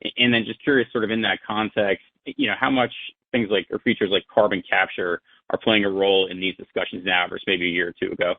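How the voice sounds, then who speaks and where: A man asks questions as an analyst on a conference call, casual but professional. His voice sits low and has a gravelly creak. It comes through a dry, narrow telephone line. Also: flat delivery, quick pace, dry recording. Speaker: financial analyst asking questions. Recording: narrow-band phone line.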